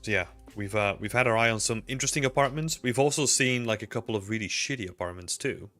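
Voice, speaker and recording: Bright-voiced Belgian man chatting casually. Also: on the low side, quick pace, soft background music. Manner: rambling, filler-heavy, answers chat questions. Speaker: livestream host. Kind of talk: casual livestream chat with viewers. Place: small home room indoors. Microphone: desk mic with headphones.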